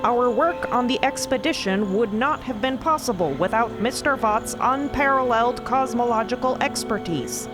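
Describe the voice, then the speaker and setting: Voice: medium pitch, normal speed, hardly any pauses, pitched above the performer's own voice, close to an everyday voice. A performer voicing an exuberant, grandiose motherly artificial being with ornate, precise diction in an audio drama, over music. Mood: proud, formal. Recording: loud music bed under the voice.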